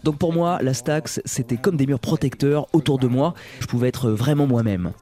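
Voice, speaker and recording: A male voice-over reads a translation of an interview in a calm, steady way. His tone is dark and mellow. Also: medium pitch, moderate pace.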